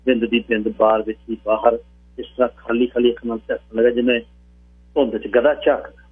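A male radio host reading a short story aloud in a steady, expressive storytelling manner. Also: medium pitch, a little fast, husky. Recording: tinny phone-like radio broadcast.

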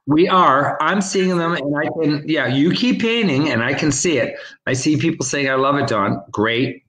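A man's voice: a little high, fairly bright tone. A man co-hosting a charity livestream from home over a video call, chatting and calling auction bids over and over. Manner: chatty, rapid repetitive bid calling. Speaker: co-host, charity auction caller. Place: home room. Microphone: webcam on a video call. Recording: roomy echo.

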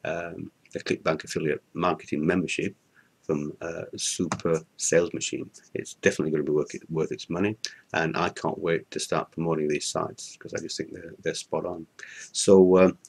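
An older man with a Yorkshire accent talks straight to a webcam in a room, his voice very low and a little husky. He speaks in halting, unscripted bursts, filling gaps with ums and uhs and restarting his sentences. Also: level tone. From Yorkshire, England. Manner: hesitant, many fillers and restarts. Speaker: product reviewer. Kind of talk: unscripted testimonial to camera. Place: indoor room in front of a curtain.

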